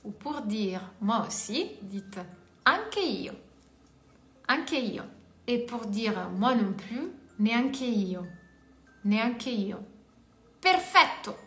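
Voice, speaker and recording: A woman's voice: on the high side, very animated, extremely slow, long pauses, bright, forceful tone. A woman with an Italian accent teaching a beginner lesson in French, saying each Italian word twice and then giving its meaning. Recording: echoey room with faint music.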